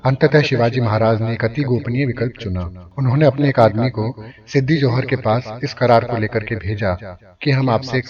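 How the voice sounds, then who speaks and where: A man narrating a scripted historical story in a formal, dramatic manner. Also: on the low side. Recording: distant, dull lo-fi, crowd noise behind.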